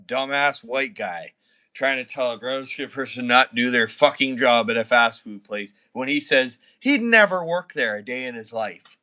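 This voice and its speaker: A man's voice: medium pitch, normal speed, pushed and bright. A man in his thirties, drunk and slurring, rambling and swearing constantly while chatting with viewers on a livestream. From Canada. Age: 30s. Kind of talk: casual livestream chat with viewers.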